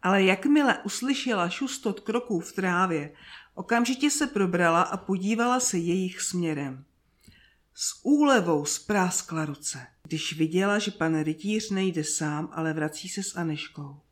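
A woman narrating a children's fairy tale in a calm, soft and slow reading voice. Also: lowish voice. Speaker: storyteller. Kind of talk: scripted storybook narration.

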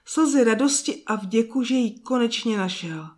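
A woman narrating a fairy tale in a slow, soft storytelling manner with drawn-out pauses. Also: fairly high pitch, lively intonation.

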